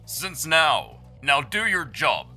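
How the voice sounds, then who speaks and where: An imperious alien henchman acted by a man for a cartoon villain scene. His tone is piercingly sharp and swings widely, curt and menacing over music. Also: fairly high pitch, wildly swooping pitch, slow pace, heavily acted. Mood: commanding. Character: cold imperious male alien henchman of a tyrant.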